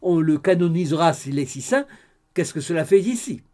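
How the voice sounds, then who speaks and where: A man's voice: a little high, expressive, moderate pace, darkish tone, close to an everyday voice. A man voicing a pious, reserved spinster bride in an audiobook, speaking curtly. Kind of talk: audiobook character reading.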